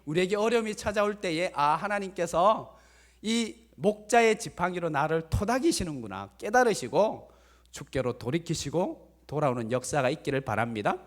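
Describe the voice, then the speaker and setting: A man preaches a Sunday sermon in a church sanctuary. His voice sits a bit high, and he leans into emphatic rises before dropping to soft asides. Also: sing-song, moderate pace. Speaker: pastor.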